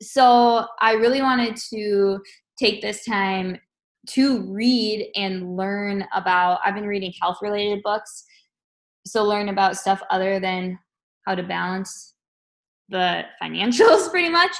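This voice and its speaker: A woman with an American accent talks very slowly, her pitch moving in an ordinary way over a quiet background. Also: medium pitch for a woman. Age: 20s. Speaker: podcast co-host. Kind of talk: casual chat.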